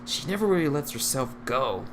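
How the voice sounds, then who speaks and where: A man's voice: mid-range voice, lively intonation, a little fast, pitched above the performer's own voice, lightly acted. A man voicing a loyal, sincere elf warrior from fan fiction, on a noisy recording. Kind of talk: fan fiction character reading.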